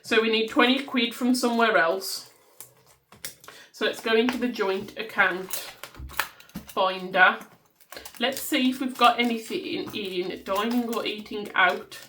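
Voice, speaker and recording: A woman's voice: on the high side, a little slow, a little hiss or hum. Chatty Black Country woman counting cash. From West Midlands, England. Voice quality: loud voice. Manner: chatty, rambling, counts notes aloud. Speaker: budgeting vlogger. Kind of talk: casual chat while counting cash. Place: home desk, indoors.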